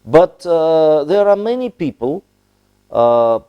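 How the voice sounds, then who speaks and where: A man from Russia with a Russian accent, giving a formal interview in halting, deliberate, diplomatic phrases with long hesitations. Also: on the high side, very animated, clean tone, lo-fi sound. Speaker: ambassador, interview guest.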